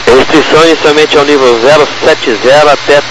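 A man's voice: a little high, steady tone, fairly quick. A man with a Brazilian accent giving clipped ground control instructions over a crackly two-way radio. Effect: crackly two-way aviation radio. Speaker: airport ground controller giving taxi clearances. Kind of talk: clipped aviation radio phraseology. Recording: crackly, noisy air traffic radio.

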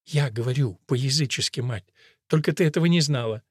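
A man voicing a calm, stubborn young woman who pleads and soothes, in a dry audiobook recording. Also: medium pitch, fairly quick, husky, dry recording, close to an everyday voice. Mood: sly.

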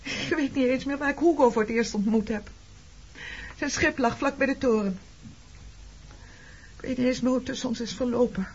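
Defensive, grieving woman, slightly husky. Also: sits high, darkish tone. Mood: sorrowful, searching. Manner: emotional, halting, pleading delivery. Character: defensive grieving woman, shunned for loving an enemy officer. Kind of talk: Dutch radio drama acting. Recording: dull lo-fi radio play recording.

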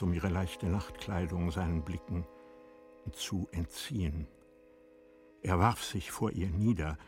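A husky, breathy man narrates literary prose for a radio play. He is slow and deliberate, low-voiced, with phrase endings sinking into a hush. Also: dry recording.

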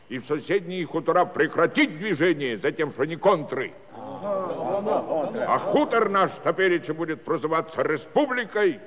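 Folksy old-school judge telling stories, lively ups and downs, muffled echoey hall recording. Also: male voice, fairly high pitch. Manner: rustic dialect, unhurried yarn-spinning. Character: folksy male village judge, former Red Cossack chairman, proud storyteller. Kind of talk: theatrical audio drama storytelling. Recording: dull old recording, long hall reverb.

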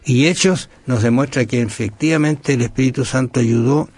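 Calm man explaining scripture. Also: mid-range voice, moderate pace, husky. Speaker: Bible study program co-host. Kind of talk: conversational Bible study dialogue.

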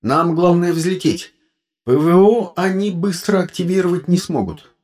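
A man voicing an anxious, excitable male shipmate who talks with urgency. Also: high voice, normal speed, voice pushed up. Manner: urgent, fretful.

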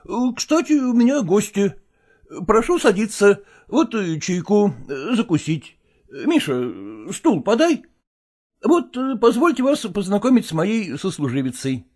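A man's voice: high-pitched, big pitch swings, measured pace, darkish tone, voice pushed up, heavily acted. A man reading aloud voices a flustered middle-aged man who mumbles and hesitates. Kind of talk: audiobook reading of a classic novel.

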